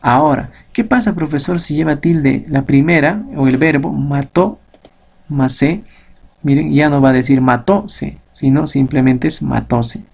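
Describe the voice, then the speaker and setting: A male teacher gives a recorded grammar lesson. His voice is husky and gravelly, sitting a little high for a man. He explains step by step, posing questions to himself and answering them. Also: measured pace, a little mellow.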